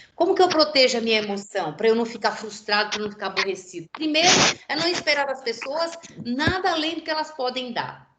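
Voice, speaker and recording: This woman's voice sits high and moves in very wide pitch swings. Room echo is audible in the recording. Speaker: pastor and teacher. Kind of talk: online class lecture.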